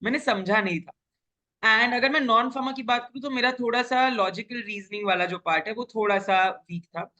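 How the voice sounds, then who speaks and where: A man's voice: sits high, normal speed, sharp tone, highs cut off. A young man, a top-ranked exam guest, explaining his study methods earnestly and step by step, mixing in English. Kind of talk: casual interview chat.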